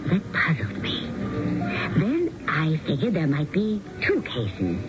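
Cool, coy female schemer, 1970s radio mystery, theatrical lively melody, dull old radio sound. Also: sits low, slow pace, heavily acted. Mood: calculating. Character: sly, cool scheming wife and secret lover. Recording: muffled old radio broadcast with music.

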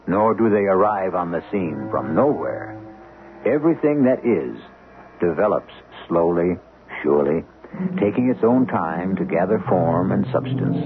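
Deep, gravelly theatrical male radio host. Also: a little hiss or hum. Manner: deliberate, wry, portentous. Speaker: host and narrator of radio mystery show. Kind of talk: theatrical scripted radio narration. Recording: narrow-band 1970s radio broadcast. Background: music.

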